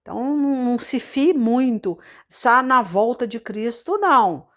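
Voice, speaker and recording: In a slightly high, expressive voice and at a somewhat slow pace, this Carioca woman from Rio de Janeiro, Brazil, delivers a loose sermon built around her own testimony. She is a missionary preacher who talks conversationally, repeating words, using plenty of fillers, and turning often to address the congregation.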